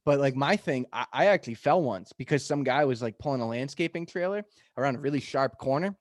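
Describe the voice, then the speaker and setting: A man from New Hampshire with a New England accent, hosting a podcast in a relaxed, chatty way. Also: mid-range voice, a little fast, dry recording, clean studio sound. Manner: relaxed, lots of "like" and "I mean". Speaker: podcast host. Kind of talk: casual podcast chat.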